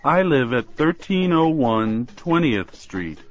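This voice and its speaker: A man repeating lesson phrases with slow, careful enunciation. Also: mid-range voice, very animated. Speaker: drill speaker in language lesson. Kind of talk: slow repetition drill. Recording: dull recording with faint music.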